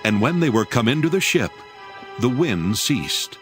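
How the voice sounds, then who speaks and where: A man's voice: mid-range voice, sing-song, unhurried, music in the background. A man narrating scripture in a dramatic, scripted audiobook style.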